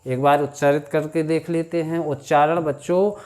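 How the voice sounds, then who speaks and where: A man teaching a grammar lesson, reciting word forms in a slow chant and talking to his students as children. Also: fairly high pitch, steady tone, a little mellow. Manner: addresses students as children, frequent "thik".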